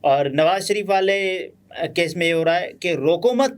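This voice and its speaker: A man with a Pakistani Urdu accent giving conversational political news commentary, pausing often with fillers. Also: sits high, clear, resonant tone. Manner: conversational, many pauses and fillers.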